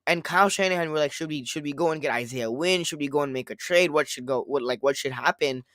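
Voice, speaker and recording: Man, casual sports chat, slightly hoarse, rambling, higher voice, smooth, dry. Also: quick pace, bright, forceful tone, no room sound. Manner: rambling, repeats himself, quotes others. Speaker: podcast co-host.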